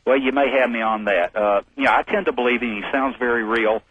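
A forty-year-old man calling in to a late-night radio show over a tinny phone line. His voice is a little husky, and he talks in a polite, folksy way, stopping to hunt for words. The line is dry and narrow. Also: mid-range voice, fast talker, no room sound. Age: 40s. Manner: folksy and polite, hesitant with fillers. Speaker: caller. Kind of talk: call-in radio chat.

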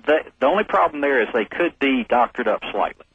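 A man's voice: medium pitch, lively intonation, fairly quick, slightly rough, dry recording. A man in his forties calling in to a radio show, speaking politely and folksily, with some hesitation and fillers. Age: 40s. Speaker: caller. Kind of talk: call-in radio chat. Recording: tinny phone line on radio.

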